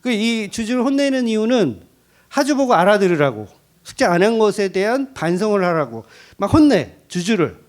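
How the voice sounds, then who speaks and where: A middle-aged man preaching a Sunday sermon as pastor, telling family stories with lively acted-out voices. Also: high-pitched, normal speed. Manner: animated storytelling, acts out his daughters' voices. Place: church sanctuary.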